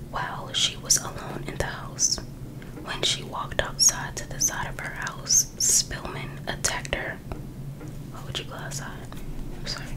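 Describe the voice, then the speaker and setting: An American woman whispering an ASMR book reading in a breathy, hushed voice, now and then dropping in casual asides. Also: poor audio. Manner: slow, hushed, with informal personal asides. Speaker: ASMR host reading a true crime book.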